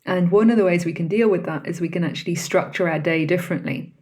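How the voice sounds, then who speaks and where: A woman's voice: on the low side, quick pace, a little mellow. A woman hosting a podcast, talking reflectively and conversationally on her own and posing questions to the listener. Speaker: podcast host. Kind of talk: reflective solo podcast talk.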